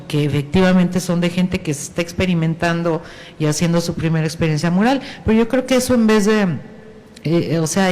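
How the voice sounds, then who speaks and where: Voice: medium pitch, darkish tone. Panel moderator, loose rambling delivery, lots of fillers. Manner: rambling, with many fillers and restarts. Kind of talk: panel discussion talk. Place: university museum hall.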